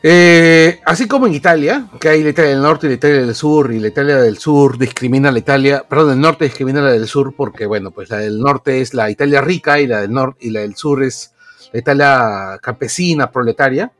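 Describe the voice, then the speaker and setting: A man's voice: mid-range voice, a little fast, a bit bright, soft background music. A man, a podcast co-host explaining at length in casual chat with lots of fillers. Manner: rambling, explanatory, many fillers.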